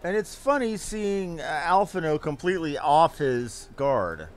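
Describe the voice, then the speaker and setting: Animated higher-pitched man streaming a game. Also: measured pace, soft background music. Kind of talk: casual gaming commentary.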